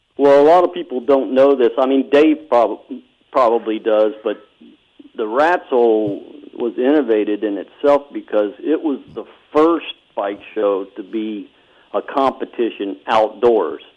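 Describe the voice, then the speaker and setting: This is a man with an ordinary speaking voice. He talks at a fairly slow pace at a medium pitch. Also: ordinary pitch variation. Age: 60s. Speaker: bike show organizer. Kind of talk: casual interview chat.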